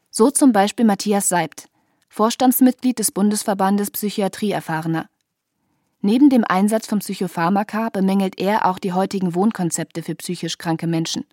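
A woman's voice: mid-range voice, dry recording. Woman narrating a documentary, dry. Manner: even, informative. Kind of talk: scripted narration.

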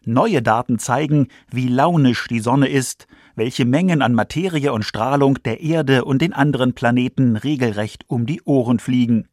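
A man's voice: mid-range voice, normal speed, hardly any pauses, a little mellow, no echo, studio quality. A man reading scripted science documentary narration for a radio feature.

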